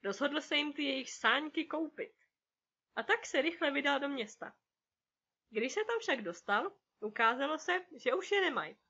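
Lively high-voiced woman reading a children's story. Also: highs cut off. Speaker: audiobook narrator. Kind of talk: scripted narration of a children's story.

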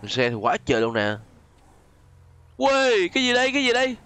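A man's voice: extremely high pitch, huge pitch swings, a little fast, fairly bright tone, clear, resonant tone. A man with a southern Vietnamese accent giving chatty, exclamatory gameplay commentary and often addressing his viewers. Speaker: gaming YouTuber host. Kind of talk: casual gameplay commentary with role-play.

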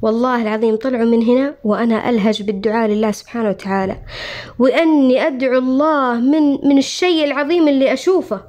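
A Saudi-accented woman retells a first-person story with earnest, emotional feeling. Her voice sits high and she talks at a rapid clip. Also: darkish tone.

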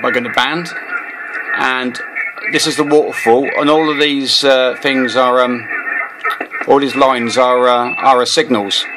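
A man's voice: mid-range voice, fairly even intonation, measured pace, noisy background. A man hosting a casual, off-the-cuff gadget demonstration, rambling and hesitant, often repeating his words, recorded on a handheld camera at a desk indoors. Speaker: video host, amateur radio hobbyist. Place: small indoor room at a desk. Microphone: handheld camera or phone.

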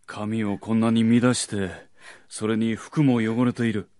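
An actor playing a kindly, protective young noble master in a Japanese radio drama. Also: male voice, on the low side, flat delivery, a little slow, dry recording, clean studio sound, close to an everyday voice. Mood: concerned. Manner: gentle, concerned, well-mannered.

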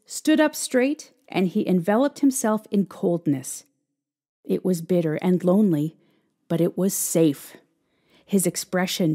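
Woman reading dramatic story narration, mellow voice, measured and serious, music underneath. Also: lowish voice. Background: instrumental music.

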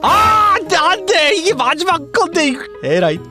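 A young adult woman giving casual gameplay commentary, talking to herself and shouting at the game. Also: very high-pitched, sing-song, moderate pace. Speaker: game streamer. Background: game music.

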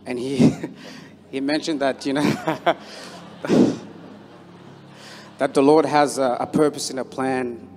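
A man's voice: medium pitch, fairly even intonation, slow pace, long pauses, a little mellow, slight background noise. A young man from Sudan giving a testimony on an arena stage with a handheld mic, hesitant with many fillers. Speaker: bible school student. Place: large indoor arena stage. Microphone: handheld microphone.

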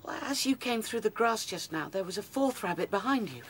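A man's voice: sits high, expressive, brisk, fairly bright tone, a little hiss or hum. A British man playing an anxious, visionary young male rabbit, earnest and intense, in a radio drama. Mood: shaken.

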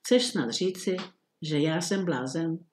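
A woman's voice: low voice, a little mellow, slight background noise, natural voice. A woman reading the part of a worried, insistent middle-aged wife who sounds slightly irritated.

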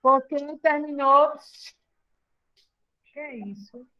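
Female teacher, Brazilian Portuguese accent, high-pitched, unhurried, patient questioning tone, dull lo-fi recording. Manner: patient, questioning, slow and explaining. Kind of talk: classroom lesson.

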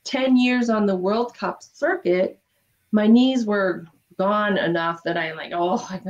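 A woman's voice: medium pitch, slow. A middle-aged woman talks over a video call from her home office, upbeat and earnest as she tells her story. The audio is dull and muffled, with the lo-fi sound of a video call. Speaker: guest, former ski racer. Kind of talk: interview conversation.

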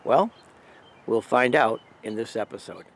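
A man in his sixties from Michigan, chatting in a relaxed, gentle way with pauses and fillers as he vlogs outdoors. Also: medium pitch, creaky. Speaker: nature vlogger. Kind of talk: casual outdoor vlog narration. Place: outdoors in a park, later indoors at home.

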